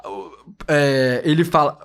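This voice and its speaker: A man's voice: a little high, expressive, takes it slowly, clear, resonant tone. A man co-hosting a podcast, explaining political news in a loose, joking manner. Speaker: podcast co-host. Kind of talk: casual political chat.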